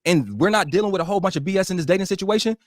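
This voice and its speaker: A man's voice: high-pitched, very fast, no room sound, studio quality. A man arguing bluntly as a podcast guest, defensive and stumbling over his words when pushed. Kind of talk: heated debate.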